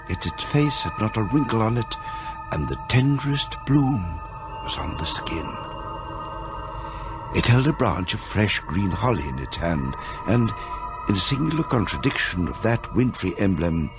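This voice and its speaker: A man narrating a classic ghost tale for a radio drama, with deliberate, dramatic literary phrasing. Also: fairly low pitch. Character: measured male storyteller of a classic ghost tale. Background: music.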